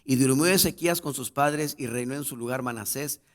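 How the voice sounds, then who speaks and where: A male pastor preaching a sermon, reading scripture aloud and swelling into loud, emphatic passages as he addresses the congregation. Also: medium pitch, a little fast. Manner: addresses the congregation directly as brothers.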